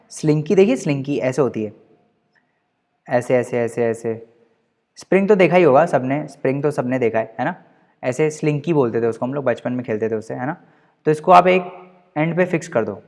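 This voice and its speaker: Patient male physics teacher, reverberant room. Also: fairly high pitch. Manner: tags nearly every sentence with a checking question; mixes English terms into explanations. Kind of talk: classroom lecture.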